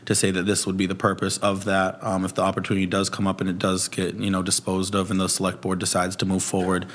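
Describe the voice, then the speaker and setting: Male petitioner, hoarse, lowish and monotone, giving a courteous semi-formal presentation at a public meeting. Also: fast. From Mashpee, Massachusetts, United States. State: hoarse, voice partly lost. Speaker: petitioner addressing a commission. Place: town hall meeting room.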